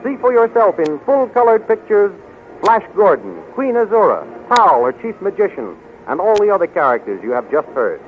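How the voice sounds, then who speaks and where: High, animated male 1930s radio announcer. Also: normal speed, faint music behind. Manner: declamatory, emphatic. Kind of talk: scripted 1930s radio narration and advertising. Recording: tinny, faintly noisy 1930s radio recording.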